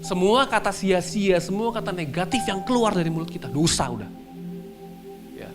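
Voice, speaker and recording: A young man, a pastor, preaching a sermon and telling a story to his congregation in a lively way. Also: sits high, normal speed. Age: young adult. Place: church hall. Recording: with clear music behind.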